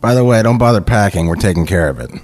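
A man reading a brash, gruff middle-aged male radio station boss in a comedic script read-through. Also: lowish voice, expressive, fast, a little mellow, soft background music, natural voice. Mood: blustering.

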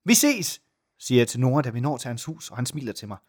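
A man, a podcast co-host, reading a listener's story aloud with lively jumps into high voices for the quoted lines. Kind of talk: dramatic reading with banter.

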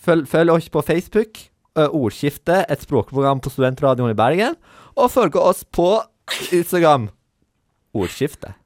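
A man putting on a halting baby-talk voice to sign off a student radio show. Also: fairly high pitch, animated, dry recording, clean studio sound, voice pushed up, lightly acted. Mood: goofy baby talk. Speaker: show co-host.

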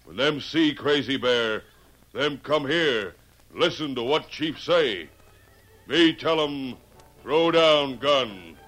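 Slow, halting western tribal chief. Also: male voice, mid-range voice, animated, fairly bright tone, soft background music. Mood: solemn, yielding. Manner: slow, halting broken English. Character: proud, captured Native American chief in a western. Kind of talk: 1950s radio western acting. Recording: old radio broadcast recording.

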